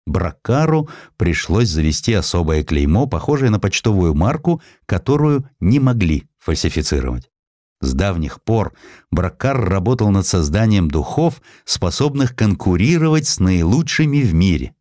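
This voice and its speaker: Guy reading a history story, low voice that swoops around a lot, dry close mic. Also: no room sound. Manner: expressive storytelling, voices quotes with shifts of pitch and slowing down. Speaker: narrator. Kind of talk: audiobook narration of a historical sketch.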